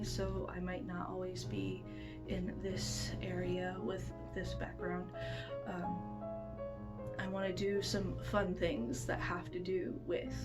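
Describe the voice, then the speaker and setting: Congested young woman chatting over loud music. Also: mid-range voice. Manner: rambling, many ums and restarts. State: congested with a cold. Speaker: classics vlogger. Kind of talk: casual vlog chat. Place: home room with bookshelves. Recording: music playing loudly behind.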